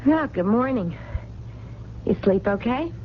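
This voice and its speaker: A lively, swinging female voice of medium pitch, slightly muffled with broadcast hiss. a plain-spoken working-class sister, direct, stubborn and compassionate, in a radio drama. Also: slow pace. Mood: friendly, casual. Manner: colloquial, direct. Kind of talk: 1970s radio drama acting. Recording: dull, hissy old radio broadcast.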